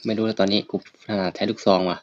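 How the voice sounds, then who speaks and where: A man calls out his gameplay in a rowdy, foul-mouthed stream of reactions, often loud and worked up. The sound is a little dull, as if from a modest home mic. Birds chirp faintly in the background. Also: fairly low pitch, very fast, slight background noise. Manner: loud, excitable and profane, swearing at the game. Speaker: gaming streamer. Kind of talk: casual gameplay commentary.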